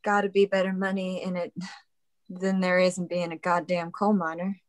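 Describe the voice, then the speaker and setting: A woman's voice: lowish voice, little pitch movement, moderate pace, close to an everyday voice. A woman playing a plain-spoken, teasing young coal-town woman in a dramatic table read. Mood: curious, frank.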